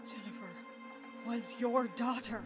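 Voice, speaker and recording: A man's voice: very high voice, fairly even intonation, a little slow, over music. An actor playing a furious, grieving middle-aged man in a video game cutscene. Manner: furious, shouting insults.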